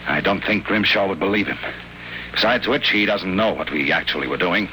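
A man's voice: low-pitched, brisk, bright, forceful tone, slight background noise, poor audio. An actor playing a wisecracking, tough man who narrates and acts out his ordeal in a 1950s radio drama. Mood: sardonic. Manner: hard-boiled, sardonic. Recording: old radio broadcast with music behind.

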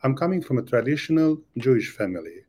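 An earnest man with a Hungarian accent introduces his startup as an interview guest. His pitch rises and falls in lively swings. His phrasing is slightly non-native. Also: fast, breathy edge. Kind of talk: interview answers.

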